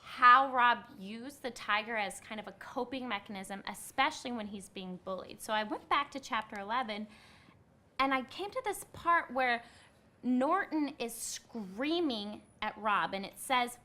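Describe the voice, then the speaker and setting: Woman teacher, bright and crisp, clear expressive delivery for a class read-aloud. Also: a little high, measured pace.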